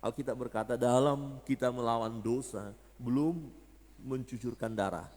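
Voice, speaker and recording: A man's voice: mid-range voice, normal speed, a little mellow. A man preaching a sermon, joking with the congregation and rising to emphatic peaks. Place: church. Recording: reverberant church hall.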